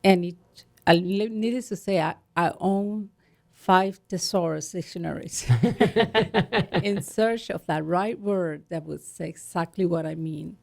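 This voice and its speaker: Sex: woman. Native language: Spanish. Role: radio interview guest. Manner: thoughtful, measured. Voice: gravelly, somewhat low. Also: a little mellow.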